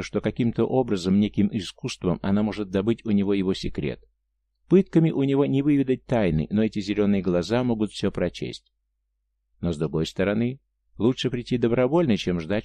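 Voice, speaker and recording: A man narrating a novel in a measured, even storytelling manner. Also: on the low side, dry recording. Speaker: audiobook narrator. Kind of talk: scripted narration.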